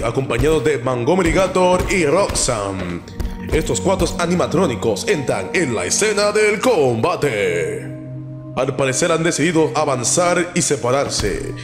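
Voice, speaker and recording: A man narrating a fight as a theatrical, bombastic commentator in an excited ringside announcing style. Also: fairly high pitch. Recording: reverberant hall-like echo with music. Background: music.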